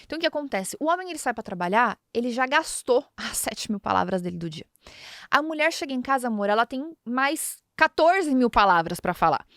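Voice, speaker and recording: Brazilian woman, 30s, lively podcast storyteller, bright high-ish voice, dry close sound. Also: fairly quick, dry recording. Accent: Brazilian Portuguese. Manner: animated storytelling, acting out little dialogues. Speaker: podcast guest speaker. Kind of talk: casual podcast talk.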